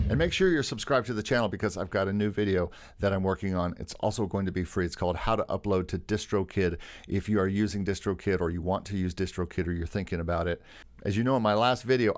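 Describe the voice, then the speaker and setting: A middle-aged man with a slightly low voice talks through a music licensing tutorial. His delivery is enthusiastic and salesy, like a friendly carnival barker. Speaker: YouTube host teaching music licensing. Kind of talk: upbeat promotional tutorial.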